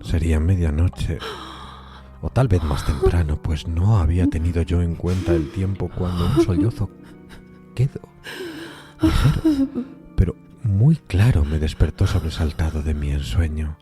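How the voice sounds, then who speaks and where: Man, low-pitched, very mellow dark tone, theatrical storyteller, gothic horror reading, hushed and emphatic phrasing. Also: very animated, a little slow, faint music behind. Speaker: podcast narrator reading a horror tale. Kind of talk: dramatic literary narration of a gothic story.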